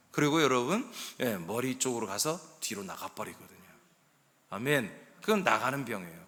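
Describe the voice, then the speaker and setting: A man in his sixties preaching a sermon as pastor. He talks in a conversational, storytelling way and swings between loud emphasis and hushed asides. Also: mid-range voice. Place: church sanctuary. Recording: long church hall reverb.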